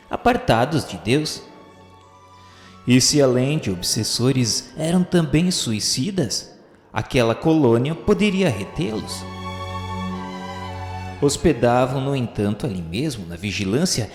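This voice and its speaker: Solemn male narrator, lively reverberant voice. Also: mid-range voice. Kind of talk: scripted narration of a radio novela.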